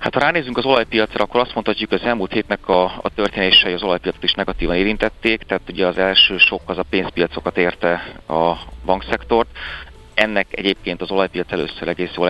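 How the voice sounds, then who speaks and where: The speech goes at a very fast pace. Pitch variation is ordinary. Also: man. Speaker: commodity trader. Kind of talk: market briefing.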